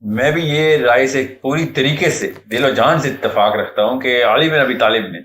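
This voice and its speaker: A man's voice: medium pitch, fairly bright tone, reverberant. A man speaking earnestly in a lecturing manner, mixing in English words, as a guest on a talk show. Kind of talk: Islamic talk show discussion.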